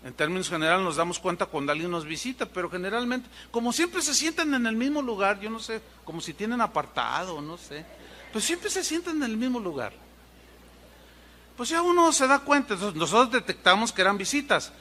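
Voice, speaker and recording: Animated high-voiced preaching man. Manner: animated, imitates sounds and voices for humor. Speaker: pastor. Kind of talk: sermon with storytelling.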